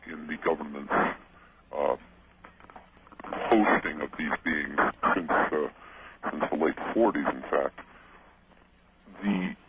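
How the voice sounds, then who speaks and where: A man on a radio call-in, his voice run through a voice changer, speaking haltingly and often restarting his words. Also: a bass voice. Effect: voice changer disguising his voice. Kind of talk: radio interview. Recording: tinny phone line with loud hiss.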